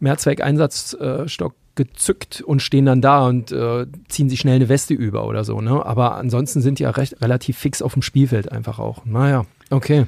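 A man with an unremarkable speaking voice talks at a moderate pace and medium pitch. His intonation is fairly even, and the sound is dry and close with no echo. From East Germany. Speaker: podcast co-host, army reservist. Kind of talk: casual chat.

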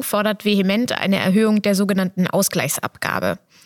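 A woman speaks in a medium pitch. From Lower Saxony. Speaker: podcast host. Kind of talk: interview.

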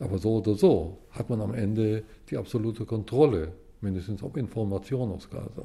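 A man talks at a fairly quick pace in a fairly low, somewhat breathy voice with a dark, mellow tone. His pitch varies in an ordinary way, while his loudness swings widely. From Israel, Jerusalem. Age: 70s. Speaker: history professor. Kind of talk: interview.

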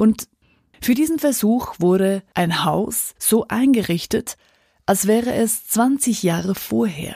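Dry and close with no echo, a woman with a fairly high pitch and a dark, mellow, somewhat breathy tone speaks at a very slow pace, her loudness very even and her intonation lively. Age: 30s. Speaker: podcast host. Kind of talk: solo podcast monologue.

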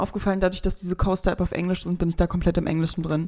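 A woman's medium-pitched voice, very fast, with a dark, mellow tone. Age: 20s. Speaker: podcast co-host. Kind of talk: casual chat.

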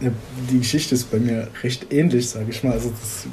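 A man at medium pitch and moderate pace, with audible room echo and noticeable background noise. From Mittelsachsen, Saxony. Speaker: student. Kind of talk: casual chat.

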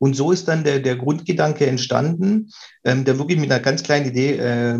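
In a normal speaking voice, a man talks at a fairly quick pace with ordinary pitch variation. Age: 30s. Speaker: startup founder. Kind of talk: interview.

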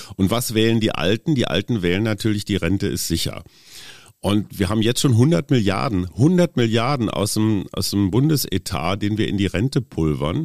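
A man with a fairly low pitch and very wide pitch swings at a moderate pace, on a very clean recording with a silent background and a dry, close sound with no echo. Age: 50s. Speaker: political journalist. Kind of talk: interview. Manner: animated.

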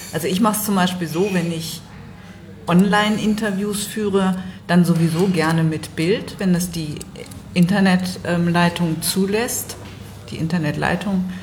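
Shaky and fairly low-pitched, a woman speaks fairly slowly with fairly even intonation and long, frequent pauses, amid audible room echo and noticeable background noise. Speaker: podcast host. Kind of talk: interview conversation. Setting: in-person recording. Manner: trembling voice.

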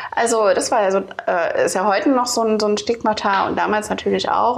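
This woman has a fairly high voice, ordinary pitch variation and a moderate pace. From Saxony-Anhalt, Germany. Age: 30s. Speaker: peer counselor. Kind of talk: personal testimony interview. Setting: sofa in a community center cafe. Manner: hesitant with many fillers.

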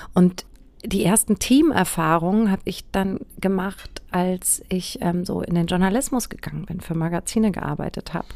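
Medium-pitched female voice, an unremarkable speaking voice with ordinary pitch variation. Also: moderate pace. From Bavaria. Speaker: novelist and podcast co-host. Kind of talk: casual chat.

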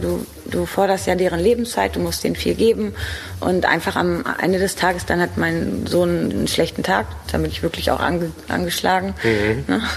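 A woman talks at a moderate pace with very even loudness. Room echo is audible, and background noise is noticeable. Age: 40s. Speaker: florist and shop owner. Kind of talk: casual interview. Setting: in her flower shop.

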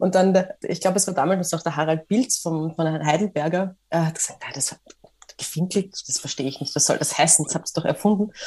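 With a dark, mellow tone, a woman talks at a fairly quick pace in a fairly low, somewhat breathy voice with ordinary pitch variation. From Vienna, Austria. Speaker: game agent. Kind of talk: casual chat.

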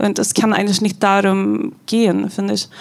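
The pace is fairly slow. A woman is the one speaking. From Sweden. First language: Swedish (speaking German). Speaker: film director. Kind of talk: live panel discussion. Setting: stage with audience at film festival.

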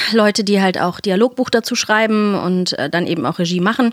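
With an unremarkable speaking voice, a woman talks at a moderate pace and a fairly high pitch, showing ordinary pitch variation. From Germany, Cologne. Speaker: voice actress and dubbing director. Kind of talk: casual interview chat.

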